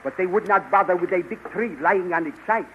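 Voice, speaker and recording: Guy acting a careful old scientist, stiff formal talk, kinda high voice, dull hissy old radio. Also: close to an everyday voice. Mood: measured. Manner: formal, measured, stiff phrasing. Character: cautious older male scientist, calm and formal. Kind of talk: 1930s radio drama acting.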